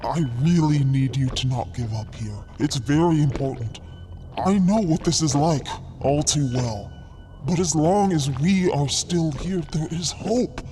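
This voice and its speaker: A man playing an earnest, steadfast castaway in an audio drama, pleading slowly and emphatically with a despairing crew. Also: on the high side, dark tone, a little hiss or hum, natural voice. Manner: slow, halting, emphatic pleading. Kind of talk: audio drama acting over music.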